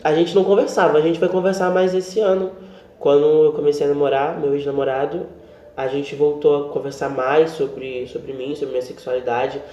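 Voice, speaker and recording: A man's voice: a little high, moderate pace. A young man from Brazil, co-hosting a podcast and telling a personal story in casual chat, acting out the dialogue he recounts. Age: young adult. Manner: animated, acts out quoted dialogue. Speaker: podcast co-host. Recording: roomy, dull-sounding home recording.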